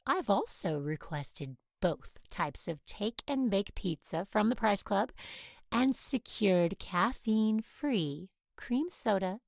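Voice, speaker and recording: A woman playing a stern, controlling Catholic nun who teaches, speaking in a measured, formal way in an audio drama. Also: mid-range voice, animated, creaky, darkish tone, no room sound, clean studio sound. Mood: brisk, formal announcing.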